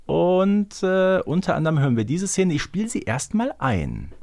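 Animated male podcast co-host. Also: sits high, moderate pace, gravelly. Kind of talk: casual chat about audio dramas.

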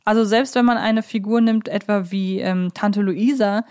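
A woman's voice: medium pitch, steady tone, normal speed, darkish tone. A woman hosting a podcast, talking casually and thoughtfully about fictional characters and searching for her words as she goes. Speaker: podcast host. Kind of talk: casual discussion of audio drama characters.

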